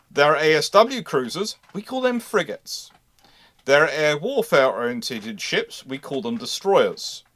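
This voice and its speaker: A man's voice: fairly high pitch, a bit bright. A man hosting a casual live question-and-answer discussion, explaining things with playful asides. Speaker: host answering viewer questions.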